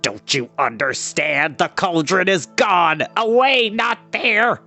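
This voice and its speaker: A man's voice: high-pitched, expressive, takes it slowly, pushed and bright, soft background music, voice pushed up, full character voice. A man doing a snappish grumpy dwarf. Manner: snappish, gruff.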